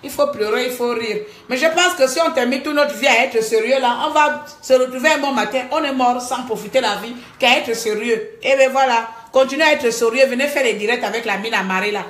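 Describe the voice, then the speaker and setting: A high-pitched woman rants on a live stream, switching between scolding and joking. Her voice rings in an echoey room. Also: fairly quick, few pauses. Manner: animated, scolding and joking by turns. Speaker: livestreamer.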